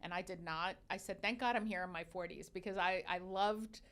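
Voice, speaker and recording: Woman in her 50s, arabic is her first language, smooth clear voice, open and chatty, lots of restarts. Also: lowish voice, brisk. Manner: candid, animated storyteller with frequent restarts. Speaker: guest, religious educator and consultant. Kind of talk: casual interview talk.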